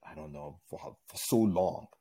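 This is a middle-aged man from Nigeria with a Nigerian accent and a very deep voice. He speaks as an interview guest, rambling through his thoughts with plenty of fillers and restarts. When he tells stories he grows more animated. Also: normal speed. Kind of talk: casual interview chat.

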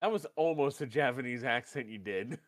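Lively, laughing man recapping wrestling. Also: mid-range voice, fairly quick. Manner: laughing, loose, profane banter. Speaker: podcast co-host. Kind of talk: casual wrestling recap chat.

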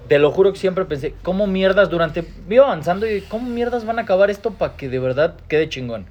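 Excitable Mexican man in his thirties. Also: high-pitched, fast. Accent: Mexican Spanish. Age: 30s. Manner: excited, slangy and profane. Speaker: podcast guest. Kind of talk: casual chat.

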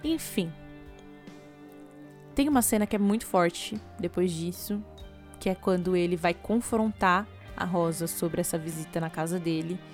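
A woman's voice: fairly low pitch, measured pace, a little mellow, faint music behind. A woman retelling a film plot in a chatty, conversational way, with frequent asides to her viewers. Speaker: video host recapping a film. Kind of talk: casual plot recap.

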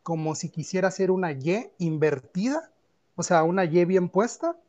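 A man's voice: high-pitched, expressive, normal speed, darkish tone. A man with a Mexican accent chatting casually and telling personal anecdotes in informal, slangy speech.

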